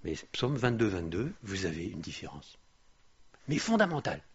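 Deep, very husky male preacher. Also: animated, normal speed, no room sound. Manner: reads scripture with swelling emphasis, hesitant "euh" asides. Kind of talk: sermon with Bible reading. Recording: slightly dull, dry lo-fi recording.

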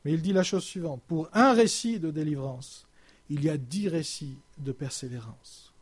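A man delivers a sermon as a story, his voice sitting a little higher than most men's. He speaks haltingly, restarting words and pausing on fillers. His sentences often sink low and soft as they end. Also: breathy edge. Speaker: preacher.

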